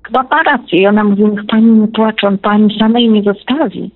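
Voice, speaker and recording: A woman's voice: mid-range voice, fairly quick, no room sound. A woman calling in to tell a personal story, talkative and emphatic, often repeating herself. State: widowed, close to tears. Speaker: caller. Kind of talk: emotional personal account. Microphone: telephone. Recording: tinny phone line.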